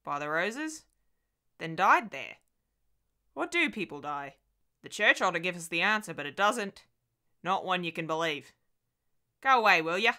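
A woman reading aloud takes on a crazed old woman in a derelict house, speaking in short clipped phrases. Her tone is brooding and unsettled and keeps pushing toward agitation. The voice is bright and cutting. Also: on the low side, expressive, measured pace, long pauses. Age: older.

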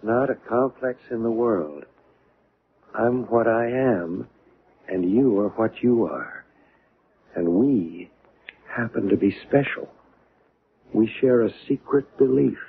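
An actor playing a small, mysterious male stranger in a radio drama, earnest and quietly insistent. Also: mid-range voice, slow pace, vocal fry, long pauses, a little hiss or hum. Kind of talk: 1970s radio drama acting. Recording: narrow tinny old radio broadcast.

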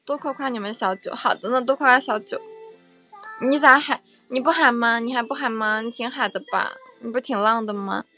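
A woman's voice: fairly high pitch, a little fast, bright, forceful tone, faint music behind. A young woman hosting a casual livestream, chatting with viewers in a playful, teasing way and often repeating her phrases. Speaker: livestream host.

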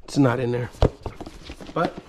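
A man's voice: medium pitch, a little slow, heavy background noise. A man in his thirties casually narrating as he digs through boxes in a storage unit, exclaiming over each find. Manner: excited, exclaiming over finds. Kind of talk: casual unboxing commentary.

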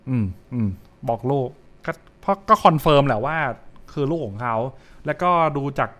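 His medium-pitched voice swings widely in pitch, moving at a moderate pace with a slightly bright tone. This young adult streamer reacts live to horror comics, repeating short phrases as he thinks, with music in the background.

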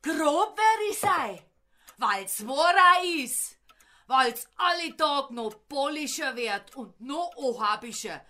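A woman's voice: sits high, lively intonation, slow pace, sharp tone, full character voice. An actress playing a quarrelsome rural woman with a Bavarian accent, nagging indignantly in an audiobook drama. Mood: indignant scolding. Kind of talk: dialect audiobook drama acting.

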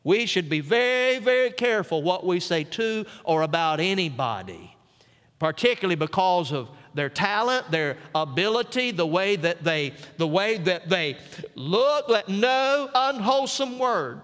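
High-voiced preacher in a reverberant church. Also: male voice, very animated, fairly bright tone, clear, resonant tone. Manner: folksy storytelling, emphatic pauses on key words. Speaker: senior pastor. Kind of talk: sermon. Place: church sanctuary.

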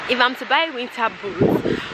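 A young woman with a Nigerian accent chatting casually to camera as she walks outside, filming at arm's length in an animated manner. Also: a little high, moderate pace. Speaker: vlogger. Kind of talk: casual vlog chat to camera. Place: outdoors on a grassy path by railway. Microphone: handheld camera at arm's length. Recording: outdoor noise, passing traffic ambience.

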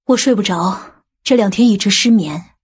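A woman's voice: medium pitch, moderate pace, a little mellow, slightly rough. A woman playing an inquisitive, sleepless aunt in an audiobook crime novel, with a direct, questioning manner. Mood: tired, confiding.

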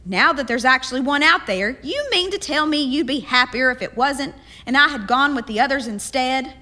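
A woman's voice: sits high, animated, moderate pace, pushed and bright. An actress playing a spirited, persistent, hospitable frontier woman in a period radio drama, earnest, teasing and ready to argue. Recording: long hall-like reverb.

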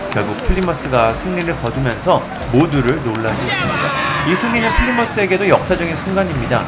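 A man presenting scripted sports news narration as the host of a video. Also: on the high side. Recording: loud music and stadium crowd behind. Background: loud music and crowd noise.

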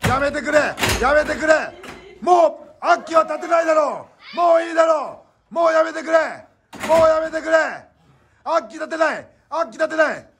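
A man calling pro wrestling live in breathless, rising bursts like goal commentary, shouting and repeating his phrases. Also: extremely high pitch, fairly quick, gravelly. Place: small indoor wrestling room. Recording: noisy small room with crowd din.

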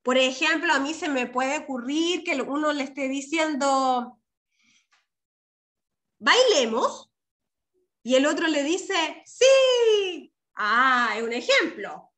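A woman's voice: sits high, measured pace, few pauses, bright, forceful tone. A woman with a Chilean accent teaching young children over a video call, patient and affectionate. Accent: Chilean Spanish. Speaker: primary school teacher. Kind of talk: online class teaching.

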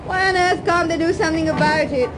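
An actress playing a brisk, polite, well-bred wife in a radio drama, with a British accent. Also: female voice, extremely high pitch, steady tone, over music, crowd noise. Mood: flustered.

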